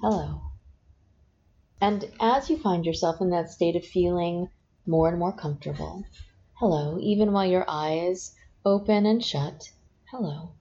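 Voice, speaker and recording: A woman hypnotist talks the listener down into trance with slow, soft, repeated suggestions. Her voice sits low and mellow. The recording is dull and lo-fi, with a faint hiss underneath. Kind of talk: guided hypnosis session. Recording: dull lo-fi sound with faint noise.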